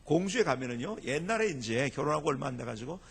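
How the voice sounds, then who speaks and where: A man's voice: a little high, fast, vocal fry, husky. A middle-aged man from Chungcheong in South Korea, a pastor telling humorous stories in a revival sermon and mimicking people as he goes. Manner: animated storytelling, mimics dialect and quotes. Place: church sanctuary.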